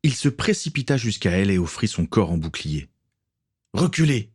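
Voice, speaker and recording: Expressive low-voiced male narrator. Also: a little fast, husky. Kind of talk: audiobook narration.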